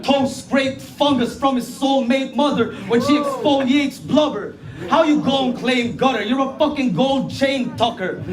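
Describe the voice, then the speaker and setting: A man from the Philippines performing battle rap, hurling rhymed insults and sometimes shouting them. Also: very high-pitched, unhurried, crowd noise. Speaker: battle rapper. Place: live battle venue. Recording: echoey room, noisy live audio.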